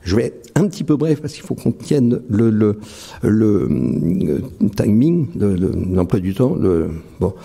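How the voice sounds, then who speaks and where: A man giving a live public poetry reading. He explains his method haltingly, then reads his verse with rhythmic emphasis. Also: fairly low pitch, big pitch swings, creaky, dark tone, husky. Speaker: poet reading his own work. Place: library event before a live audience.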